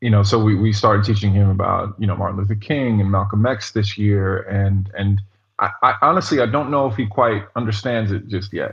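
A man with an American accent speaks at a fairly quick pace, somewhat breathy and fairly low-pitched, his intonation fairly even. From Long Island, New York. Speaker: father and podcast guest. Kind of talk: casual interview chat.

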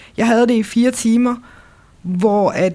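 A woman with a dark, mellow tone speaks at a fairly slow pace and with fairly even intonation. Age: 20s. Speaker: single mother and university student. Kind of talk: casual interview.

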